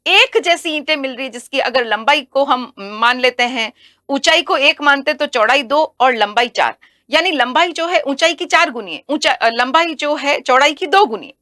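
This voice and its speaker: A woman teacher gives a recorded exam-prep history lesson in a studio. She is animated and keeps asking questions and then answering them herself. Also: sits high, moderate pace, dry recording. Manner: animated, asks and answers her own questions.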